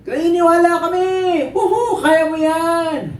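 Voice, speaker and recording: A man voicing an excited circus crowd, whooping and squealing its cheers, heard from a distance in an echoing hall. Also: extremely high pitch, a little slow, pitched above the performer's own voice. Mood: cheering.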